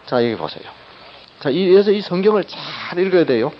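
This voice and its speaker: A man's voice: sits high, big pitch swings, brisk, muffled recording, slight background noise. A male pastor giving a sermon, reading scripture aloud with drama and asking the congregation questions.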